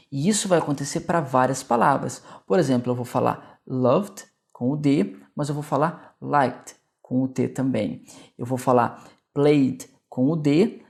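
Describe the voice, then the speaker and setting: A man's voice: a little high, creaky, a little mellow. A man with a Brazilian Portuguese accent teaching an English grammar lesson, explaining patiently and checking in often with the viewers.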